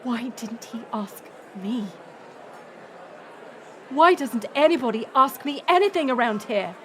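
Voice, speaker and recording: A woman's voice: fairly high pitch, lively intonation, unhurried, a bit bright, slight background noise. A woman playing a proud, weary middle-aged queen mother in a dramatic audio roleplay, formal and commanding. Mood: commanding, defensive. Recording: music and crowd murmur behind. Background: music and banquet crowd.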